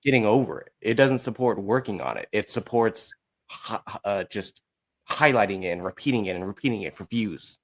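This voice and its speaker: An American man in his thirties appears as a podcast guest, talking casually and informally and often acting out examples. His voice is fairly low, with lively intonation and a moderate pace.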